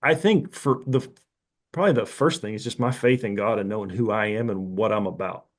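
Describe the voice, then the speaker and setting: A man in his fifties with a somewhat low voice speaks as a podcast guest. He is candid and loose, circling his point with asides and self-corrections. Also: a little fast. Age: 50s. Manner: frank, rambling, candid. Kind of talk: casual interview talk.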